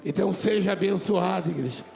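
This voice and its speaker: A Brazilian pastor preaching a sermon to his congregation, swinging from hushed talk to shouting and acting out dialogues. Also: high-pitched, a little fast, vocal fry, a little hiss or hum. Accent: Brazilian Portuguese.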